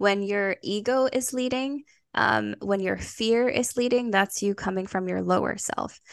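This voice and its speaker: An ordinary speaking voice from a woman, medium in pitch and fairly slow. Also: ordinary pitch variation. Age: 20s. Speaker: spiritual life coach. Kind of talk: casual chat.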